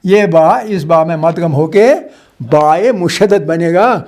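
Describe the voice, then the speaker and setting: Middle-aged man, recitation teacher, slightly high voice, slow drawn-out demonstration of sounds. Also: darkish tone. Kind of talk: religious lesson on Quran recitation.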